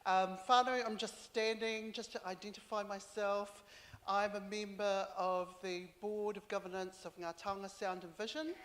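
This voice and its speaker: NZ woman, board member at a hui, halting delivery with fillers, mid pitch, long hall reverb. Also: steady tone. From New Zealand and Samoa. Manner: halting, with many fillers, mixing in Māori. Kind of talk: speaking at a community consultation.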